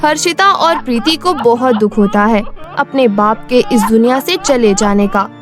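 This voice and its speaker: A woman's voice: on the high side, normal speed, over music. A woman narrating a scripted cartoon story in a dramatic storytelling style.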